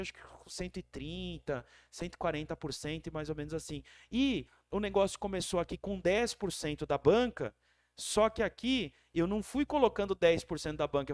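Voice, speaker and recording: A man's voice: sits high, fairly quick, no echo, clean studio sound. A man with a Brazilian Portuguese accent casually walking viewers through a trading chart, checking in with them often and correcting himself as he goes. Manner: chatty, keeps checking in with the viewer, frequent self-corrections. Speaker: crypto trading analyst. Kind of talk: casual screen-share trading walkthrough.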